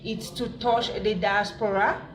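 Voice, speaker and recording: A woman's voice: mid-range voice, fairly even intonation, a little slow. Woman speaking in an echoey, noisy room. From Cameroon. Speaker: financial analyst presenting a project.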